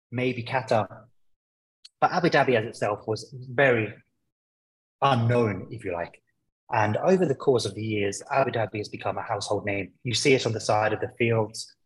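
A man's voice: fairly low pitch, breathy edge, poor audio. Man explaining things as an interview guest. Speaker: football journalist guest. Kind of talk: conversational interview commentary.

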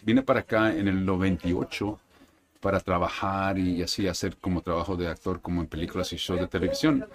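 Un hombre de Brooklyn, de lengua materna inglesa, que habla con calma en una entrevista. Tiene una voz más bien grave. Divaga sin prisa y mezcla palabras en inglés. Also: male voice, deep voice. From Brooklyn, New York. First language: English. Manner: relaxed, rambling, mixes in English words. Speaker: actor, interview guest. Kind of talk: casual conversation. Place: indoor arcade.

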